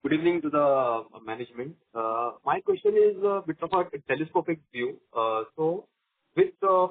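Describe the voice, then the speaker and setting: A man with an Indian accent calls in as an analyst with a prepared question. His voice is fairly high, and he is formal but stumbles a little. The phone line is thin and echoey. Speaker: caller, investment analyst. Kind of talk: asking a prepared question on a call. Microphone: phone call.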